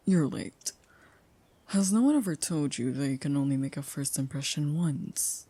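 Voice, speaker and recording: A woman playing a stern, dry chief maid in an ASMR roleplay, speaking in a formal, measured, reproachful way. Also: deep voice, dark tone, slightly rough, no echo, heavily acted. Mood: cool, stern.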